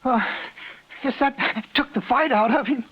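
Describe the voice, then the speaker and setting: An actor playing a timid, bashful male passenger in a 1950s radio drama, speaking softly and hesitantly. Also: very high voice, unhurried, noisy background. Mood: hushed, startled. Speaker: lead actor. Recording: muffled old 1950s radio broadcast.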